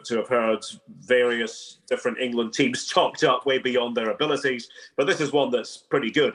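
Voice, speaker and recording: A man in a middle pitch, a guest on a podcast. He gives careful, measured opinions and often restarts his phrases as he thinks. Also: fairly bright tone. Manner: measured and considered, with repeated restarts. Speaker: podcast guest, soccer commentator. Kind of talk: casual interview talk.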